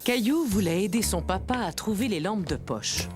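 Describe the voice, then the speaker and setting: A woman narrating a children's cartoon in a gentle, clear, expressive storytelling manner. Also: mid-range voice, moderate pace, over music.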